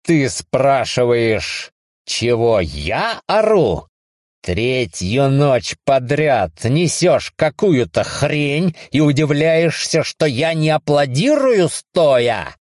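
A man's voice: mid-range voice, very animated, takes it slowly, darkish tone, no echo, studio quality, pitched above the performer's own voice. A man reading a story aloud, voicing an irritable, hungover man who swears and snaps sarcastically. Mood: exasperated. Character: irritable hungover man woken at night, foul-mouthed. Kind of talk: audiobook reading.

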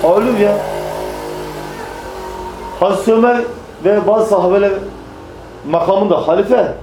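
In an unhurried, high voice, a man preaches emphatically to a small group, posing rhetorical questions and then answering them himself while repeating key phrases. There's background noise and an echoey room.

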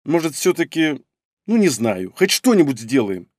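Male narrator voicing a petulant fox-woman: high, whiny, pushy, lively lilt. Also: normal speed, no echo, studio quality. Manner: whiny and impatient. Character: bored, pushy young fox-woman companion. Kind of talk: audiobook character voice.

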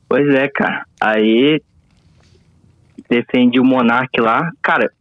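Late-teens male caller heard over the phone, relaxed and profane, dull dry line. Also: mid-range voice, very slow, no room sound. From Paraná, Brazil. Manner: laid-back, says "man" constantly, swears freely. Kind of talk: casual call-in chat.

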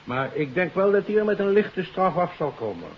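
An actor playing a genial, authoritative police chief, measured and genteel in 1950s radio drama style. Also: male voice, high voice, big pitch swings. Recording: dull, hissy 1950s radio recording.

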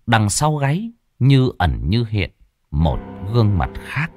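A man's voice: on the low side, big pitch swings, slow pace, mellow, faint music behind. A man telling a folk ghost story in a dramatic, swooping way.

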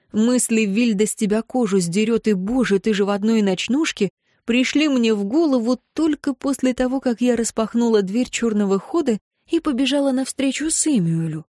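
A woman narrating a novel in the first person in a calm, measured, soft manner. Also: medium pitch, no room sound, studio quality. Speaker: audiobook narrator. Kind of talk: first-person book reading.

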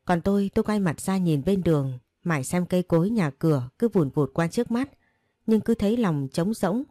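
Low, mellow woman narrating a story. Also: expressive, a little fast, no room sound. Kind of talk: scripted first-person story narration. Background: faint music.

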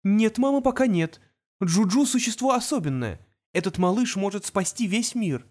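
A woman reading the part of a cold, brilliant teenage boy in an audiobook, speaking in a calm, measured way. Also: mid-range voice, pitched above the performer's own voice, lightly acted. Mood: tense.

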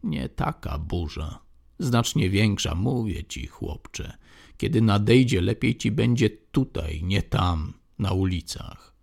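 Man voicing an old prison inmate, cryptic, ominous, slow, gravelly. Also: lowish voice, animated, a little mellow, heavily acted. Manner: ominous, knowing. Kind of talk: audiobook character voice.

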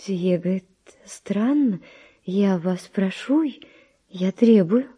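An actress playing a virtuous young Spanish noble widow, with refined, breathy, emotional delivery in a verse radio drama. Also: female voice, medium pitch, expressive, slow pace, dark tone. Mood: insistent curiosity.

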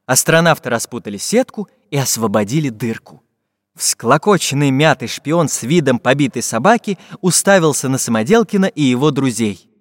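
A man narrating a children's fairy-tale audiobook in an expressive, lively manner. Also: medium pitch, moderate pace. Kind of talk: scripted storybook narration. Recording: dry voice with long reverb tail.

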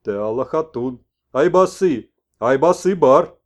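Guy doing an old shaman in a storybook, loud broken chants, slowed way down. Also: medium pitch, expressive, natural voice. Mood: chanting. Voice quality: broken speech, chanting exclamations. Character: old toothless northern shaman messenger, excitable.

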